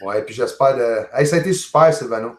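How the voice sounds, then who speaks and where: A man with a Québécois French accent, a guest chatting casually over a video call, jovial and halting with many fillers and restarts. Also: medium pitch. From Quebec, Canada. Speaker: guest, amateur astronomer. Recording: roomy echo.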